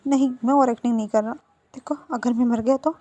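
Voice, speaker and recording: A woman's voice: fairly high pitch, fairly even intonation, quick pace, warm tone, no echo, close to an everyday voice. A woman voicing a whiny, melodramatic young man who pleads and stammers. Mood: pleading. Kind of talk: storybook dialogue read by a narrator.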